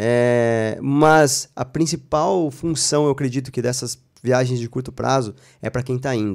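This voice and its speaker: Here a man has an ordinary speaking voice at medium pitch. He talks at a fairly slow pace with ordinary pitch variation. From Curitiba, southern Brazil. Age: 30s. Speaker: missionary leader. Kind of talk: interview testimony.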